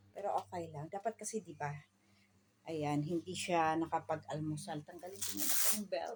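Noticeable background noise accompanies a woman's voice. She is fairly low-pitched and keeps a moderate pace. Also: ordinary pitch variation. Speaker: vlogger. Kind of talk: casual vlog narration.

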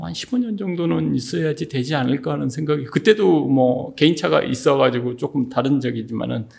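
A man at a moderate pace, very wide pitch swings, and a quiet background. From South Korea. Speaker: retired semiconductor executive and former professor; guest. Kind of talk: interview. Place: studio. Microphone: studio mic.

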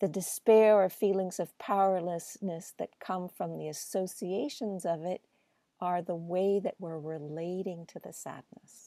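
In a calm, soothing, dark and mellow tone, the speaker talks at a fairly slow pace with ordinary pitch variation and big swings in loudness, the sound dry with no echo and the background quiet. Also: woman, medium pitch for a woman. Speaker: meditation teacher. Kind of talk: guided meditation. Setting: video call. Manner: slow, calm, soothing. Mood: calm, gentle, measured. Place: home room. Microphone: earbuds.

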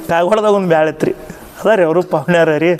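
Behind the speaker sits noticeable background noise, and the pitch rises and falls in an ordinary way. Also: man. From Belagavi district, northern Karnataka. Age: 30s. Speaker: folk drum-song singer. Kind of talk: interview.

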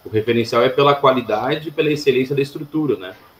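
A man with audible room echo and light background noise. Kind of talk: interview answer. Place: home room. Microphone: earbuds.

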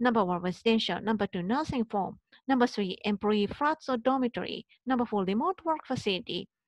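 Talking at a fairly quick pace, a woman with a fairly high pitch uses lively intonation over a quiet background, the sound dry and close with no echo. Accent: Japanese. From Japan. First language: Japanese. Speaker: real estate investment advisor. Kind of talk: presentation to camera. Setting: outdoors by the ocean. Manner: halting.

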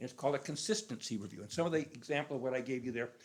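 A man with an American accent at a medium pitch, very fast pace and ordinary pitch variation. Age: 60s. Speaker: public commenter, contractor and developer. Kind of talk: public comment at a city meeting. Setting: city planning commission meeting. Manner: halting, with repeated words.

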